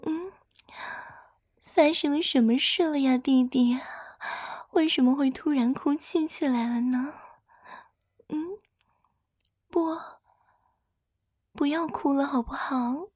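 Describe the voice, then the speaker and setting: A woman performing a soft, coaxing older-sister persona in an intimate whispered roleplay, speaking breathily and close to the microphone. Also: sits high, takes it slowly, long pauses, no echo.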